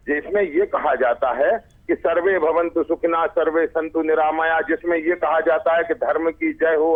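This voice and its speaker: A man with an Indian accent arguing formally and emphatically as a party spokesperson in a TV debate over a remote call. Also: a little high. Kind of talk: TV debate argument. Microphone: remote call link. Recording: tinny narrowband phone-like line.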